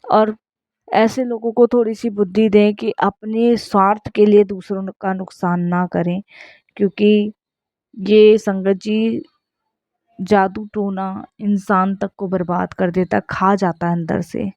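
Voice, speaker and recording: A woman's voice: mid-range voice, little pitch movement, slow, darkish tone, dry recording. A woman in her thirties earnestly sharing a spoken devotional testimony, repeatedly addressing her listeners. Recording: dull lo-fi sound.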